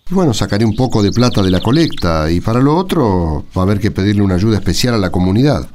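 A man's voice: fairly low pitch, expressive, quick pace, a little mellow, slight background noise, natural voice. A man playing a kindly, weary village priest, fatherly and conversational, with an Argentine accent, in a radio drama. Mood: weary, resigned.

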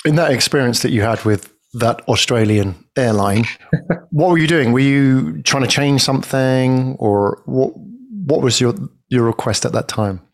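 A man's voice: medium pitch, expressive, unhurried. A man hosting an interview, asking questions in an engaged, chatty way and often ending with tag questions. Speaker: podcast host.

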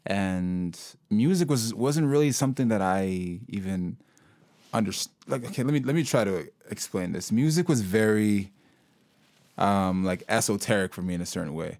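A young man from Sudan, a local hip-hop artist, talking about his music in a relaxed, rambling way with many fillers and restarts. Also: lowish voice, normal speed, no echo. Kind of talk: casual interview conversation.

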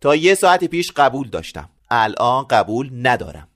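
A man's voice: mid-range voice, big pitch swings, fairly bright tone, dry recording, clean studio sound. An actor playing a stingy, scheming middle-aged father in a radio play, switching from blustering to wheedling. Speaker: father of the bride.

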